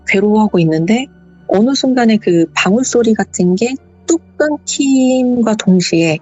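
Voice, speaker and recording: A woman's voice: medium pitch, dark tone, breathy edge, muffled recording. A woman hosting a horror radio show, retelling a listener's true ghost story in a conversational way. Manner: conversational storytelling, acting out the quotes.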